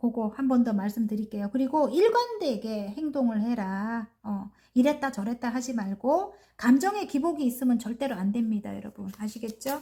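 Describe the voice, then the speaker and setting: A woman's moderately paced speech, full of very wide pitch swings, comes through on a very clean recording against a silent background. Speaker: tarot reader. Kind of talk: tarot reading. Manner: halting, with fillers.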